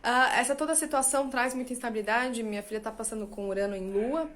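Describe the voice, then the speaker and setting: A woman in her thirties with a Brazilian Portuguese accent, an astrologer talking casually and openly to her viewers, confiding and animated, often checking in with little tag questions. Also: a little high, fast. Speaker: astrologer and channel host. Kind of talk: casual personal talk to viewers.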